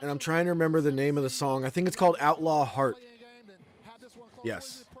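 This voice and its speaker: With an American accent, a man talks at a fairly quick pace in a fairly high pitch with ordinary pitch variation. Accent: southern, hidden. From US South. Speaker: wrestling podcast host. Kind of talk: casual chat.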